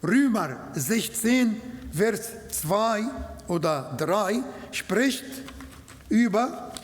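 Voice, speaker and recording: A man whose first language is Arabic preaches in careful, halting German, his voice pitched high for a man. He speaks slowly and deliberately, and a long reverb trails after his words. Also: lively intonation. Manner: slow, halting German with non-native grammar. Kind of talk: sermon.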